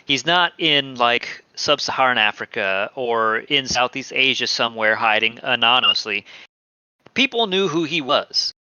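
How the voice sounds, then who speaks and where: A man hosting a casual crypto streaming show, chatty and animated, often laughing. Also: mid-range voice, moderate pace, smooth, highs cut off. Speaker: podcast host.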